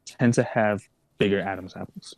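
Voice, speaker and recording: A young man with a lowish voice, chatting with friends and wondering aloud, full of "like" and little questions. The sound is close and dry, with no room around it. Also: steady tone, normal speed, darkish tone, dry recording. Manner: musing, questioning, fillers. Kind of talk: casual chat.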